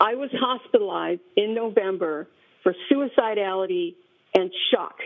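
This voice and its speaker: At a moderate speed, the voice rises and falls with ordinary pitch variation. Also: woman, medium pitch for a woman. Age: 60s. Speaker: resident at a public hearing. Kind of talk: public hearing testimony. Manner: pleading, emotional.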